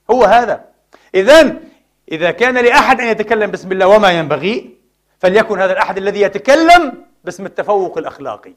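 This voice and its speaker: Male preacher, high and rapid, fiery rhetorical sermon delivery. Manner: impassioned, rhetorical questions to the congregation. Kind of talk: Friday sermon. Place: mosque.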